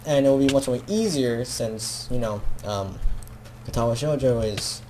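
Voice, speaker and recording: Mid-range and a little mellow, this young man's voice moves at a normal speed over slight background noise. He's a teenage gaming video creator with a Filipino accent who rambles self-consciously in a casual clip, full of fillers and restarts.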